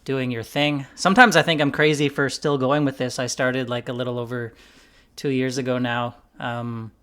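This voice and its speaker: A man hosting a casual podcast conversation about investing, relaxed and rambling, with many "like"s and "you know"s. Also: mid-range voice, normal speed, smooth. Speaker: investing YouTuber host.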